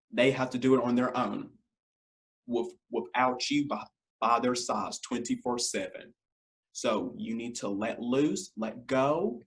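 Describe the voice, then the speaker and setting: A young man with a scratchy, deep, hoarse voice, hosting an education podcast from his living room and talking straight to the camera, repeating his key points. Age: young adult. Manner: direct, repeats key points, addresses parents as y'all. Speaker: podcast host. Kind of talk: casual educational monologue. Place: home living room, indoors.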